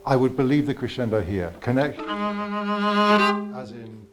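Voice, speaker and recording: A man teaching a viola masterclass, coaching a student with lively encouragement and sung phrases. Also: mid-range voice, takes it slowly. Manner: animated, sings phrases and encourages. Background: viola and piano playing.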